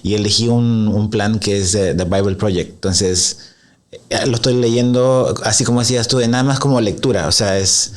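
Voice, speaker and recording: Man, 40s, from Chile, pastor, podcast guest, lowish pitch, measured explaining. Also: steady tone. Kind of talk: casual podcast chat.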